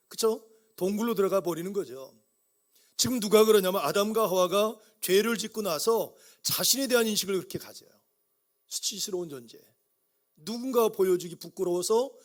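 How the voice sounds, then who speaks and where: A middle-aged pastor preaches from the pulpit of a church in a noticeably high voice. He keeps the delivery conversational and keeps asking the congregation questions. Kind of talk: sermon. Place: church sanctuary.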